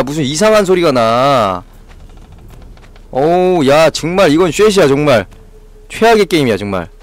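Male streamer, frantic horror-game commentary, animated voice, dry sound, quick to yelp and swear. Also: medium pitch, no echo. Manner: jumpy, swearing, frantic reactions to scares.

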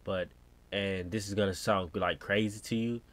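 A man's voice: low voice, fairly even intonation, normal speed, lightly acted. An American man voicing an uneasy gas station worker in a horror game, hesitant and rambling as he calls for help. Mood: spooked, rambling. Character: uneasy, spooked young male gas station worker calling emergency line. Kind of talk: reading game subtitles as dialogue.

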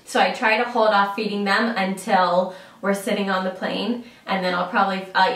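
A woman's voice: lowish voice, a bit bright. A young woman chatting casually to camera, giving tips with lots of fillers. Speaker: vlogger sharing travel tips. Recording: roomy sound, mic at a distance.

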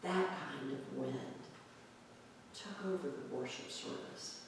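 A male pastor giving a reflective, conversational sermon in a church sanctuary, drawing out key words slowly for emphasis. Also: mid-range voice, vocal fry, noisy background. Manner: reflective, conversational preaching with slow drawn-out emphasis. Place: church sanctuary with pipe organ, indoors. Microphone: far camera at back of sanctuary. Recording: very echoey church hall from far off.

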